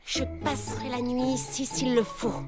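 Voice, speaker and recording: A woman voicing an excitable, self-important young girl detective in a dubbed children's cartoon, theatrical and pompous. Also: high voice, moderate pace, over music, natural voice. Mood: eager, self-important.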